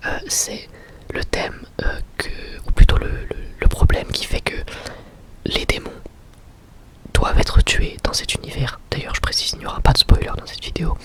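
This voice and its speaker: A man whispering softly and intimately to his viewers as an ASMR host, giving a review in a breathy, unvoiced voice. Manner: soft-spoken, intimate, addressing viewers directly.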